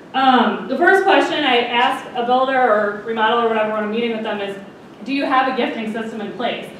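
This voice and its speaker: Amid light background noise and audible room echo, a woman talks at a very fast pace in a high pitch with ordinary pitch variation. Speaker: sales business owner. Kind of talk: conference talk. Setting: stage with audience. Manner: fast talker. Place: hall. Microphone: camera far.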